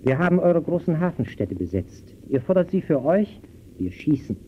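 An actor playing an earnest, indignant debater who declaims rhetorically in an old radio play. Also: male voice, fairly high pitch, sing-song, moderate pace. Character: earnest, indignant male debater lecturing on injustice. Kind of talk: 1920s German radio play dialogue. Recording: dull old radio recording, faint noise.

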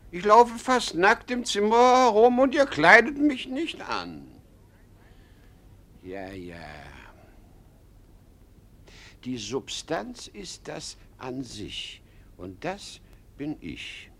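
An actor playing a pompous, muddled older king in a German radio play, fussy and halting. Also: high voice, big pitch swings, fairly bright tone, exaggerated voice. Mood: self-important pondering.

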